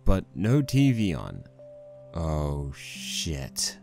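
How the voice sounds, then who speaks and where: A man's voice: very deep voice, huge pitch swings, extremely slow, vocal fry, darkish tone, faint music behind, heavily acted. A man playing a young married stallion pony husband, rambling wryly and sheepishly through a fan fiction monologue. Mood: wry storytelling. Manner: conversational, rambling, wry.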